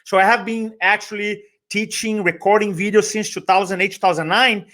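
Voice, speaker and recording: A middle-aged Brazilian man whose first language is Portuguese speaks as a guest, conversational yet motivational, using emphatic repetition and rhetorical questions. A speaker trainer and business owner with a Brazilian accent, he has a high, bright, forceful voice with fairly even intonation and a brisk pace.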